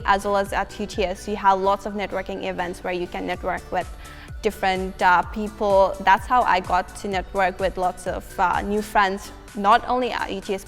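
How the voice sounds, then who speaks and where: A young woman from Nepal shares her student experiences, pausing often and searching for words. Her voice stays flat and even. It rings out in a long, reverberant hall, with faint music behind her. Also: mid-range voice. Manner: hesitant, halting. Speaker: international student. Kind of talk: casual student testimonial.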